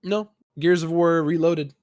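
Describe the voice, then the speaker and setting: A man's voice: a little high, steady tone, measured pace, darkish tone. A man co-hosting a casual gaming podcast, talking insistently and often repeating his phrases to get his point in. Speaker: podcast co-host.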